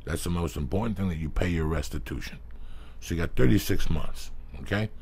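A middle-aged man with a very low, gravelly voice and a husky edge, spinning profane, animated stories as a podcast host. He talks into a studio mic in a small studio. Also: brisk. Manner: profane, animated storyteller who acts out quotes. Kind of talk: casual storytelling chat. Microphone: studio mic with headphones.

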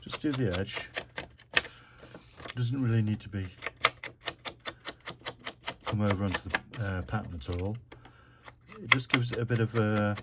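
Slow-talking British man demonstrating crafts. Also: on the low side, very noisy. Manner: relaxed, self-mocking, talks himself through each step. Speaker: card-making demonstrator. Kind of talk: chatty crafting tutorial. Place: craft desk indoors.

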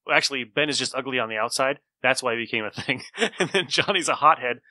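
A man's voice: mid-range voice, animated, fast, pushed and bright, no echo. A man co-hosting a podcast in a playful, enthusiastic, casual chat. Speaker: podcast co-host. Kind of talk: casual chat about comic books.

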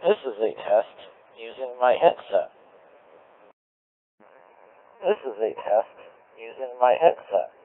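Guy doing slow mic test, sounds squashed and phone-like thru a radio codec, pitch swings around. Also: big pitch swings. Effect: compressed radio codec with band filters. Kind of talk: slow microphone test readout. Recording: muffled, phone-like, band-filtered codec audio.

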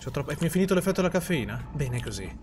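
A man's voice: a little high, big pitch swings, racing, noisy background. A man streaming a horror game, talking to his chat in casual live commentary, swearing and muttering as he plays. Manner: talks to the chat, swears, jumps from muttering to panicked shouts.

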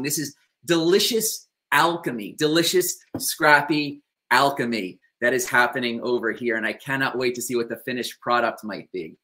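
A man's voice: medium pitch, sharp tone. Enthusiastic male live stream host. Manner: enthusiastic, gushing praise, reads viewer questions. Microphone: video call webcam.

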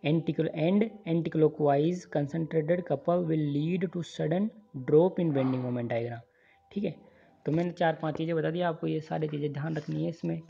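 A man's voice: fairly high pitch, fairly even intonation, slow, gravelly, mellow, slightly rough, lo-fi sound, faint music behind. A man teaching engineering in an online lecture over handwritten notes, drilling formulas and checking in often with his students. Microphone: voice-over on screen recording.

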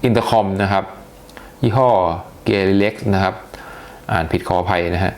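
A man's voice: low voice, measured pace, a little mellow. A man giving a casual, chatty unboxing review, talking with hesitations and many polite particles. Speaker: tech reviewer.

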